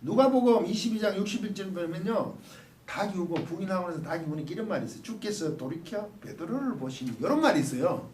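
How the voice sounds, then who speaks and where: A man giving a lively Bible study lecture, asking the class questions and acting out quotes. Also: high-pitched, fast talker, slight background noise. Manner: animated, asks the class questions, acts out quotes. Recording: roomy, mic at a distance.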